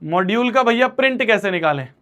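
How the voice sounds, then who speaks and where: A young man teaches a maths lesson with a high voice. He talks playfully, often repeating his questions and teasing his students as he works through problems. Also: lively intonation, brisk, pushed and bright. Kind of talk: online class lecture.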